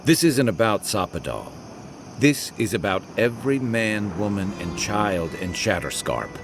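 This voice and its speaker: An earnest, principled male companion in a fantasy game. His lowish voice swings emphatically as he argues, with clear noise behind it. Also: animated, unhurried. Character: outraged, principled male companion pleading for innocents. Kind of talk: video game dialogue.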